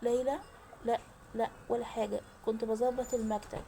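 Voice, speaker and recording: A woman's voice: a little high, little pitch movement, a little fast, mellow, slight background noise, natural voice. Woman voicing a frightened young Egyptian nurse. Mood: fearful. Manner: fearful, pleading.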